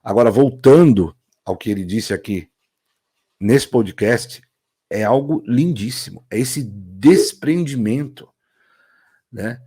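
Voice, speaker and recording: A man's voice: medium pitch, expressive, slow, breathy edge. A man from Brazil hosting a reaction video, talking to viewers and praising what he has just watched. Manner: warm, repeats praise, addresses viewers directly. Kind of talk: casual reaction commentary.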